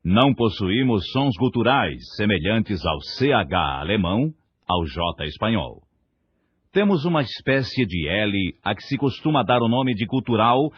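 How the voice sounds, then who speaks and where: A man's voice: lowish voice, breathy edge, dry recording. A man from Brazil narrating a scripted diction lesson, articulating every syllable with care. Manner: careful, precise articulation. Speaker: diction teacher. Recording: dull lo-fi recording.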